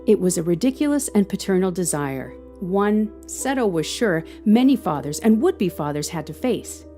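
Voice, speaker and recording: Expressive, mellow woman narrating a story. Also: medium pitch, moderate pace, faint music behind.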